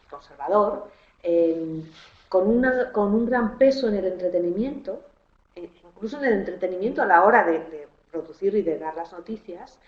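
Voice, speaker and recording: A woman political analyst giving a measured, analytical answer in a webinar over a video call. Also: mid-range voice. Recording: roomy, dull online audio.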